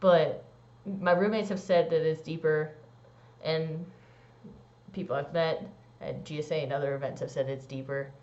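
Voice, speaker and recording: A young trans man vlogging a casual personal update, rambling with lots of "like" and "um" and swooping into squeaky high bits. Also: fairly even intonation, moderate pace, darkish tone. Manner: rambling, many likes and ums. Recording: dull lo-fi sound.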